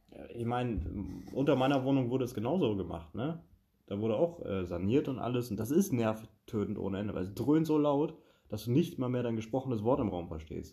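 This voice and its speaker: A man talks at a fairly quick pace and medium pitch, with lively intonation. His tone is dark and mellow, and somewhat breathy. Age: 20s. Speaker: podcast co-host. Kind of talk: casual chat.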